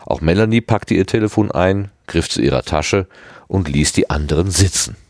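Guy reading a novel aloud, really deep voice, dry close sound. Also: animated, normal speed, a little mellow, dry recording. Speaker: audiobook reader. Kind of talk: scripted narration.

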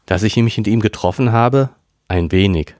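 A man's voice: lowish voice, moderate pace, darkish tone, no echo, clean studio sound, voice pushed up, close to an everyday voice. A man reading aloud voices Claudia, a reflective teenage girl who talks in a thoughtful, confiding way.

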